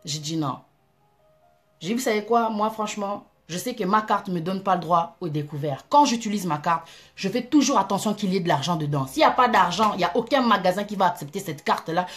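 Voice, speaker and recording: A woman telling an animated, emphatic personal testimony in a casual way. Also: mid-range voice, a little fast, soft background music. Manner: animated, emphatic, breaks into laughter. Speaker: Christian vlogger.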